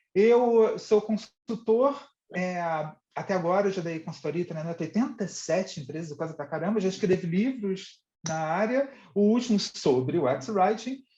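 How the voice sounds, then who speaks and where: A man with a high pitch speaks at a moderate pace. His tone is dark and mellow, and his intonation is lively. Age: 50s. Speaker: UX writing consultant and author. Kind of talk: panel discussion livestream. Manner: casual, animated.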